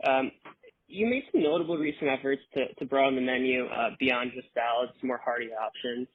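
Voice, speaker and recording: Man, average pitch, analyst, earnings call question, band-limited phone audio. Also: fairly quick. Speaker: financial analyst asking a question. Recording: narrow telephone line.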